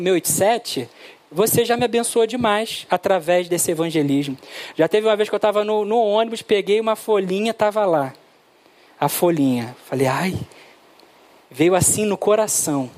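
High-voiced, animated Brazilian preacher. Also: male voice. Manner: animated, acts out dialogue with his son. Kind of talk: sermon with storytelling.

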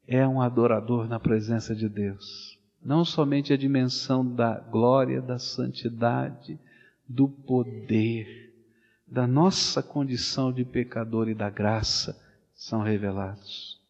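A man with a Brazilian Portuguese accent preaching a sermon, swinging from loud animated storytelling to hushed, slow pleading. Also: medium pitch. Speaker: pastor. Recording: dull sound with long hall reverb.

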